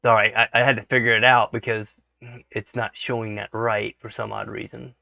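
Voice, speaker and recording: Brief: hoarse man, bright gravelly voice, relaxed tutorial talk, dry dull desk-mic sound. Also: lowish voice, normal speed, no echo. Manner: thinks aloud, frequent "okay" checks. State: hoarse from a cold. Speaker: 3D modeling tutorial host. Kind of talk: casual screen-recorded tutorial.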